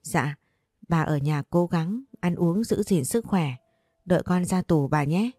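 A woman voicing a contrite young man sentenced to prison, speaking gently to his grandmother. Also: lowish voice, expressive, a little slow, no echo, studio quality, faint music behind. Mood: remorseful. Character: remorseful young male prisoner, handcuffed.

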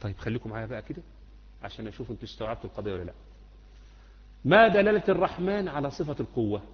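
A man's voice: medium pitch, expressive, very fast, slightly rough. A man with an Egyptian Arabic accent teaching Islamic creed, quizzing students and repeating points until the class answers. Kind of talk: classroom lecture with questions to students. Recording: muffled lecture hall recording with long echo.

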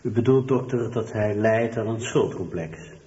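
An actor playing a probing interviewer who questions a doctor in a radio drama. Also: male voice, lowish voice, normal speed, mellow, natural voice. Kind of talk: Dutch radio documentary drama acting. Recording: echoey hall, distant muffled sound.

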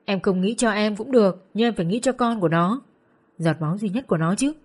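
Woman narrator reading a concerned male doctor, steady and firm, middle-pitched. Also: fairly quick, close to an everyday voice. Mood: explaining. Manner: calm, earnest persuading.

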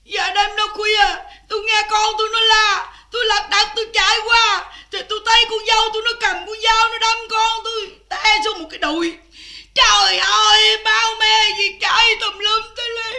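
A shrill wailing old mother-in-law. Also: flat delivery, normal speed, hardly any pauses, full character voice. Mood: pleading. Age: older. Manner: wailing, shouting, theatrical crying. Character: older scheming village mother-in-law, shrill and loud. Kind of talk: Vietnamese cải lương stage acting.

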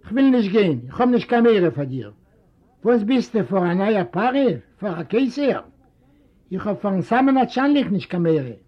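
Man voicing stubborn old father, shouting. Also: sits high, very animated, normal speed. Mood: defiant shouting. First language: Yiddish. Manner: shouting, indignant, repeating his refusals. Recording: dull lo-fi recording.

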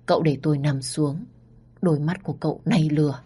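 A woman narrating a story in the first person, expressive and acting out the dialogue. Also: low voice, fairly quick, breathy edge.

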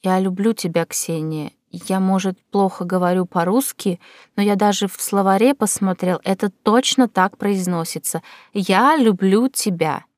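A woman reading the lines of a foreign man in love, speaking slowly and softly with insistence, in an audiobook. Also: sits high, no room sound, clean studio sound, natural voice. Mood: insistent tender.

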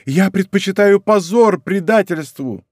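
A desperate young woman pours out her love and begs to be believed, as a male audiobook reader puts her on. The voice rides high and fervent, tearful and pleading. It is recorded dry and close, with no room around it. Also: expressive, measured pace, a little mellow, dry recording. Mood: despairing. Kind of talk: audiobook character reading.

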